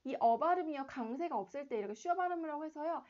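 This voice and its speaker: A woman with a high voice gives a casual online pronunciation lesson. She explains each vowel and repeats it several times to show how it sounds. The recording is a little muffled and lo-fi. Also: lively intonation, fast talker, darkish tone. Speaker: English pronunciation teacher.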